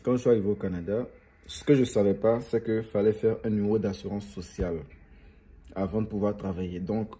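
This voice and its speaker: A man's voice: fairly low pitch, steady tone, brisk, warm tone, breathy edge. A young man chatting casually to viewers as a vlogger, rambling and repeating phrases for emphasis. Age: young adult.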